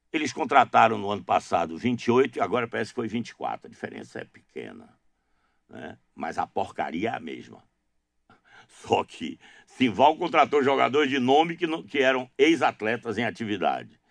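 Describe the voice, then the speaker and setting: Against a quiet background, a man talks at a moderate pace with big swings in loudness, and the sound is dry with no echo. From Bahia, Brazil. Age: 60s. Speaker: former football club president; radio interview guest. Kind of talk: radio interview. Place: studio. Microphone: studio mic.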